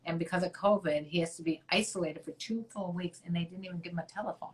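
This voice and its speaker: A woman's voice: on the low side, fast talker. A woman from Chicago with a Chicago accent, co-hosting a casual chat show and reading out viewer comments with blunt, joking remarks. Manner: blunt, jokey, reads viewer comments aloud. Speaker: co-host.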